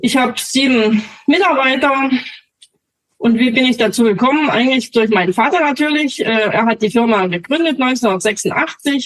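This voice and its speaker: The speech moves at a moderate pace with lively intonation. Its loudness stays very even throughout. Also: woman, high pitch for a woman. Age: 40s. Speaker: business owner, podcast co-host. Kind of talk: casual podcast conversation.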